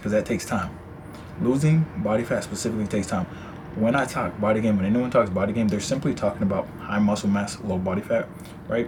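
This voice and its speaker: A man at a fairly low pitch and very fast pace, with ordinary pitch variation and noticeable background noise. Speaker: fitness coach. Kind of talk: casual vlog monologue. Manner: animated.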